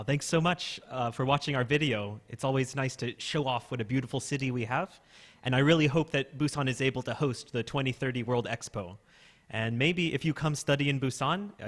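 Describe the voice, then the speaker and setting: A man hosting a live-streamed education fair, introducing the next segment in an easygoing way with frequent filler pauses. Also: medium pitch, a bit bright.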